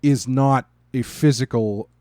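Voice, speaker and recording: Man, average pitch, casual reviewer, podcast co-host, self-interrupting, thinking out loud, very little room echo. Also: slow pace, studio quality.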